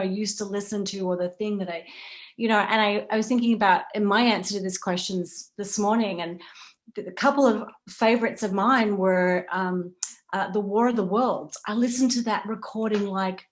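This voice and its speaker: A woman moderating an informal panel discussion, chatting and thinking aloud as she links ideas and questions. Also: mid-range voice.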